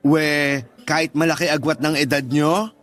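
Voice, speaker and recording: A man's voice: a little high, fairly even intonation, moderate pace, fairly bright tone, natural voice. An actor playing a teasing, loyal young gay man in a Tagalog radio drama, with campy banter. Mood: nosy, teasing. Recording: music bed behind the voice.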